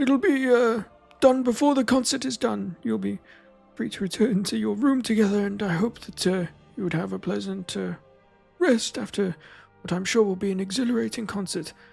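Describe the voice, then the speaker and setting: With faint music in the background, a husky, put-on character voice at a fairly high pitch moves along at a moderate pace. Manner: hushed, speaking quietly.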